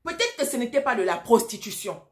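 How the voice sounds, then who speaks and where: A woman's voice: a little high, big pitch swings, a little fast, a little mellow. A woman from Africa talking casually to her viewers in a direct, emphatic way, often asking them rhetorical questions. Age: adult, married mother. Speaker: vlogger and storyteller. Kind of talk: casual vlog monologue.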